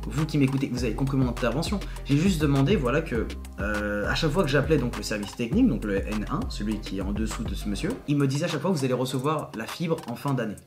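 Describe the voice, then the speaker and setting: A man giving casual, slangy commentary in an incredulous, emphatic way, often repeating himself. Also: medium pitch. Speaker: YouTuber commenting on his recorded call.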